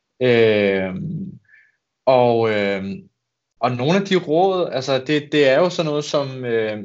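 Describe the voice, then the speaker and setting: His intonation is lively. The man talks at a medium pitch. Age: 20s. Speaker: entrepreneur. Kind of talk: casual interview.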